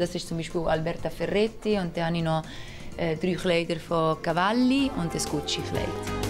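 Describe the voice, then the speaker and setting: A woman's fairly low voice at a moderate pace, with ordinary pitch variation and music in the background. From Switzerland. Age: 30s. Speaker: TV presenter. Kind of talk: interview answer.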